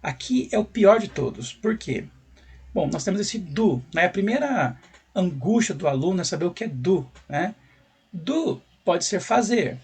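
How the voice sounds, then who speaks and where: A Brazilian Portuguese-accented man teaches in a chatty, explanatory way. His voice sits a little high and has a husky, slightly rough grain. He keeps tossing rhetorical questions to the viewer. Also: big pitch swings, unhurried, a little mellow. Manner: conversational, rhetorical questions, frequent tag "né". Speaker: English teacher. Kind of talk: explanatory video lesson.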